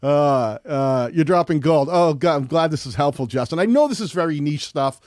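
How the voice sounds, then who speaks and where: A man with a loud voice hosting a live-streamed tutorial, chatty and rambling with frequent restarts. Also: fairly high pitch, animated, normal speed, dry recording, studio quality. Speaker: host.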